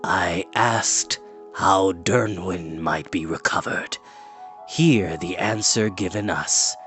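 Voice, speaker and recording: A man voicing a grave, troubled aged enchanter in a fantasy story, speaking slowly and haltingly. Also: sits low, fairly bright tone, voice pushed down. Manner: slow, halting, solemn. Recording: music playing in the background.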